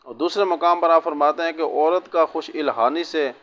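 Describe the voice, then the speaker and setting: A man's voice: fairly high pitch, moderate pace, fairly bright tone. Male Muslim cleric, dull lo-fi recording. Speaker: Muslim cleric answering a religious question. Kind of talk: religious sermon answering a question on Islamic rulings.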